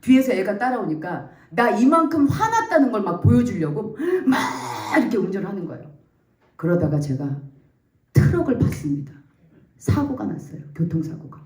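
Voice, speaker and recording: A woman in her forties giving a heartfelt church testimony, telling her story with lively acted-out quotes. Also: medium pitch, moderate pace. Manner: animated storytelling, acts out quotes, laughs and nearly cries. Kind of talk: emotional testimony. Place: church sanctuary. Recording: echoey church room, mic at a distance.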